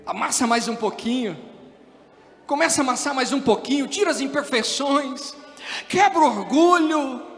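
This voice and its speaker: Brief: male Brazilian pastor, São Paulo accent, very high voice, sermon that swells from soft to shouted, long church-hall reverb. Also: normal speed. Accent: Brazilian Portuguese, São Paulo state. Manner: swings from hushed, intimate passages to loud shouted preaching.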